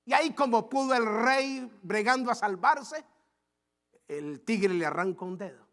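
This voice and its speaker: Pastor preaching with loud emotional outbursts. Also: male voice, unhurried. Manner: swings from low, quiet asides to loud, high-pitched outbursts when acting out complaints; repeats phrases for emphasis, with small restarts. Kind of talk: sermon.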